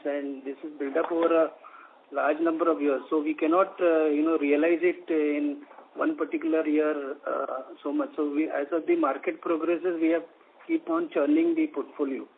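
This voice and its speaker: Indian exec man answering in chunks, higher voice, phoney narrow sound. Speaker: company executive answering. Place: conference phone call. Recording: narrow noisy phone line.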